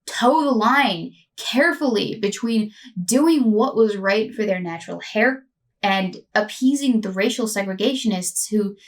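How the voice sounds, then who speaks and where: A woman's voice: medium pitch, unhurried, distant mic. A woman host narrating a scripted commentary video with a sardonic, mocking edge.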